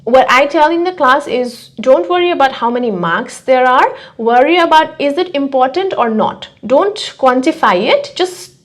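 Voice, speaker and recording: A woman's voice: sits high, expressive, normal speed, hardly any pauses. A woman teacher co-hosting a casual question-and-answer chat, giving direct advice and putting questions. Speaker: exam prep teacher, co-host.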